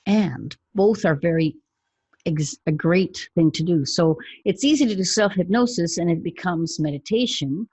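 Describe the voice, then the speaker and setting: A woman's voice: fairly low pitch, normal speed, darkish tone, breathy edge, dry recording. A woman hypnotherapist, a guest on a podcast, speaking matter-of-factly about her clients. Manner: matter-of-fact, tells client stories. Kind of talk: casual podcast interview.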